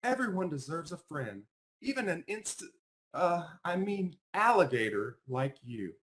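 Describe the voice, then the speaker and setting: Guy doing a girl bear from a kids book, kind but says it straight, higher voice, emphatic. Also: big pitch swings, a little slow, fairly bright tone. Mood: sympathetic. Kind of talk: picture-book character voice.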